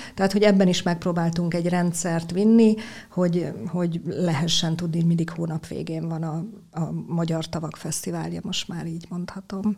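A woman speaks at a moderate pace in a fairly low, monotone, flat voice that is somewhat breathy, with a dark, mellow tone. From Hungary, Szolnok. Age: 50s. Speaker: entrepreneur and costume business owner. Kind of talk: interview. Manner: hesitant with filler sounds.

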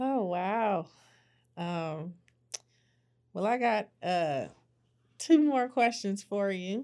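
A woman's medium-pitched voice with a dark, mellow tone at a very slow pace. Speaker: podcast host. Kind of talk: interview, hosting.

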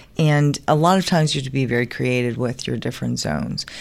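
With a slight Southern US accent, a woman speaks at a fairly quick pace in a very deep, low pitch, showing vocal fry and ordinary pitch variation. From Georgia, Atlanta. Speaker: MRI safety consultant. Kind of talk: casual interview.

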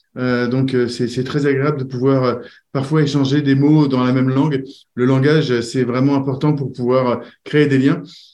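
In a room with audible echo, a man talks at a fairly slow pace with a medium pitch and monotone, flat intonation. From France. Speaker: francophone community activist. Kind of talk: interview conversation. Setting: video call.

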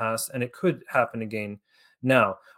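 In a very clean recording with a silent background, a man with a Canadian accent speaks at medium pitch and a moderate pace with fairly even intonation. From Canada. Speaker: historian and author. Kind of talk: interview. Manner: halting, many repetitions and fillers.

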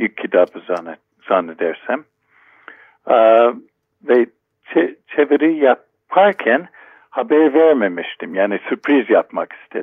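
A man in an English accent speaks at a very slow pace, with long, frequent pauses. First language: English (speaking Turkish). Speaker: translator and poet. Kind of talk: radio interview. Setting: phone line from Ankara. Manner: halting with fillers.

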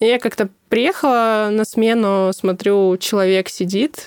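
A woman with an ordinary speaking voice talks at a fairly slow pace and a medium pitch. The recording is very clean with a silent background and a dry, close sound with no echo. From Russia, Krasnodar. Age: 20s. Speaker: musician and food courier. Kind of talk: interview storytelling. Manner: casual.

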